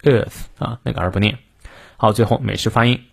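A man hosting a daily English lesson, explaining a quote and modeling each word slowly with repetitions. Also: on the low side, fairly even intonation, no echo, studio quality. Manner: explains clearly, models words slowly and repeats them. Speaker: English teacher and podcast host.

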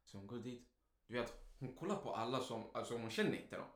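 A young man in casual podcast talk who tells a family story calmly and without hurry. His voice sits at a middle pitch, with a roomy echo around it. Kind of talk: casual chat.

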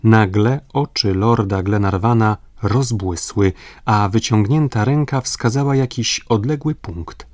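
Male audiobook narrator, low and steady, measured delivery on a dry studio track. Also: no room sound. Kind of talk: scripted narration of an adventure novel.

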